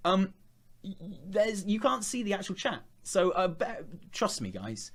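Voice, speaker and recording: A man's voice: high voice, big pitch swings, measured pace, a bit bright, breathy edge. A man chatting casually on his live stream, rambling and jokey with casual swearing.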